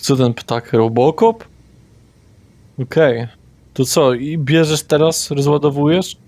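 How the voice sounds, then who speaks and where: A man running a tabletop vampire game as game master, describing scenes deliberately with pauses and fillers. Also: fairly high pitch, a little mellow, dry recording.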